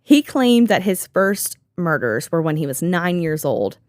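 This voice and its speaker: A woman hosting a casual podcast chat, sarcastic and quick to laugh, swearing freely as she tells the story. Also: fairly low pitch, very animated, a little mellow, no room sound, studio quality. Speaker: podcast host.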